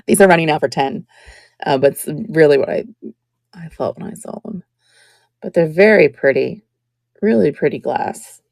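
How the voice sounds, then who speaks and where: A woman, hosting a casual live jewelry sale and chatting as she shows each piece, sometimes dropping to a soft whisper. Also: low-pitched, lively intonation, vocal fry, no room sound, clean studio sound. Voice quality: scratchy. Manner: slow, chatty, drops to soft whispers while showing pieces. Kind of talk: casual live-stream selling chat.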